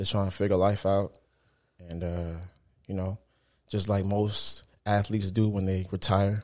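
On a very clean recording with a silent background, a man with an American accent speaks at a fairly slow pace. His pitch is fairly low and his intonation fairly even. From Bay Area, California (Hayward/Oakland). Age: 20s. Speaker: fitness trainer and business owner. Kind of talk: casual interview.

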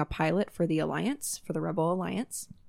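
A woman speaks in an unremarkable speaking voice at a fairly low pitch. The recording is very clean, with a silent background. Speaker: podcast co-host. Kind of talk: casual chat.

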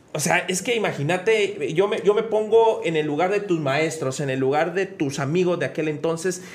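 A man with a Guatemalan accent and a high pitch, at a moderate pace with hardly any pauses, amid audible room echo and noticeable background noise. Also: ordinary pitch variation. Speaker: podcast host and town mayor. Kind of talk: interview.

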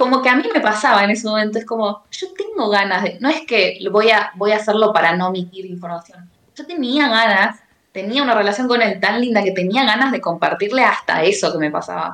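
An ordinary speaking voice, this woman's is fairly high in pitch with ordinary pitch variation. She speaks at a fairly quick pace. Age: young. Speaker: young guest. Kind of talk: radio interview.

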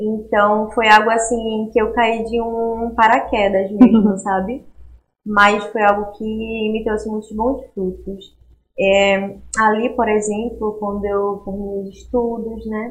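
Very slow and monotone, a woman's fairly high voice shows flat intonation but big swings in loudness. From Brazil, Recife (Pernambuco). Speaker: cultural mediator at art gallery. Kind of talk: interview.

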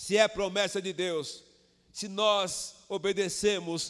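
The man's intonation is fairly even. He talks at a very slow pace. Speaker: pastor. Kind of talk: sermon.

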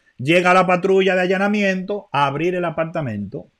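Animated in tone, a man with a Dominican accent speaks in a high pitch with ordinary pitch variation. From Dominican Republic, Santo Domingo. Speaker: political commentator. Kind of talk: live stream monologue. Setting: live stream.

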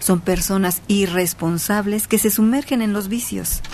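Over noticeable background noise, a woman speaks at a fairly slow pace in a medium pitch with ordinary pitch variation. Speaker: radio co-host. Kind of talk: casual chat.

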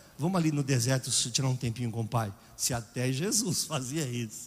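A man keeps a moderate pace as noticeable background noise sounds behind him. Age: 50s. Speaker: pastor. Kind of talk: sermon.

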